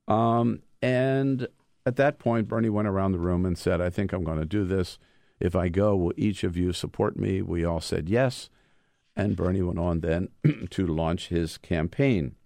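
A man who is an author reading from his own book, mixing measured, emphatic delivery with informal storytelling. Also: lowish voice, darkish tone, dry recording, studio quality.

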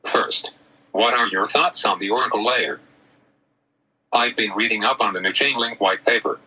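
A man calling in with questions through a robotic voice changer, speaking in a measured, formal way. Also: fairly low pitch, bright, forceful tone, slightly rough, poor audio. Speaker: caller asking questions. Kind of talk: podcast call-in question.

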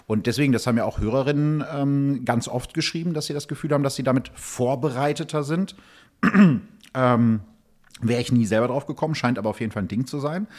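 A man's voice: mid-range voice, brisk, a little mellow. A man talking casually as a podcast guest, explaining things in a colloquial way and acting out little bits of dialogue. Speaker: podcast guest, true crime author. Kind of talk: casual conversational storytelling. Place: indoors at a table in a home.

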